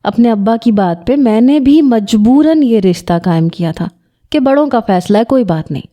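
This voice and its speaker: A woman's voice: on the high side, expressive, mellow, close to an everyday voice. A woman voicing a sarcastic, defensive young husband in an audio story, mocking and accusing.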